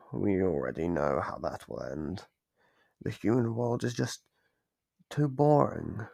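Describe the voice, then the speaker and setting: A man voicing a playful, sadistic monster from under the bed in an ASMR roleplay, gravelly and breathy, savoring his slow, mock-gentle taunts. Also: lowish voice, dry recording, exaggerated voice. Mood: hungry, savoring, then scornful, eager. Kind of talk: ASMR roleplay, scripted monologue. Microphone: close microphone.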